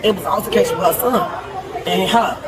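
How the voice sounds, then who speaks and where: A woman's voice: medium pitch, a little fast. A woman giving an agitated, rambling account of an argument to the police. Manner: rambling, emotional explanation. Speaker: person involved in a dispute. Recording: distant, noisy recording in a crowded hall. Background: loud crowd.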